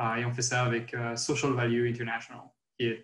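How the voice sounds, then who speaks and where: A man with a Belgian accent speaks at a medium pitch. His voice is somewhat breathy. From Belgium. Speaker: social impact strategist. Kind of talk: panel discussion.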